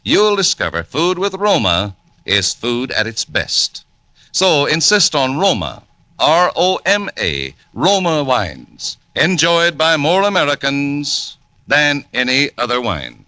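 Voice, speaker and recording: Emphatic 1940s radio ad announcer, bright. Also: male voice, a little high, big pitch swings, takes it slowly, no echo. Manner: polished, emphatic salesman's delivery. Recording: dry old radio broadcast.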